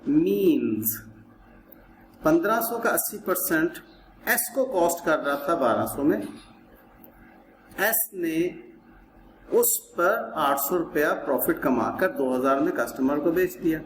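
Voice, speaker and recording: Pakistani guy teaching a class, really unhurried, explains step by step n repeats stuff, echoey noisy recording. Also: on the high side, lively intonation. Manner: didactic, repeats points and asks rhetorical questions. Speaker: accounting teacher. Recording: roomy echo with clear background noise.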